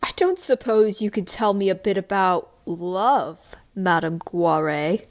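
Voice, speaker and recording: Inspector for audio drama, played by a woman: smirking charmer, flirtatious bachelor, unhurried and smooth-talking. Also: mid-range voice, expressive. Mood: coy. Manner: slow, suave flirtatious delivery.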